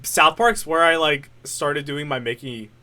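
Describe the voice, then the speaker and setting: A young man co-hosting a podcast, chatting excitedly with stammers and laughter. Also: fairly high pitch, a little slow. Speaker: podcast co-host. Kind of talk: casual chat with cartoon impressions.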